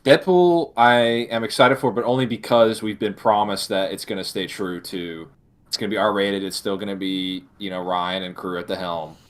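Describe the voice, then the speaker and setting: A man's voice: fairly low pitch, fairly even intonation, moderate pace. A man co-hosting a podcast, talking casually with strong opinions and an exasperated manner, often repeating and rephrasing his points. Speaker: podcast co-host. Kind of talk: casual opinionated pop-culture discussion.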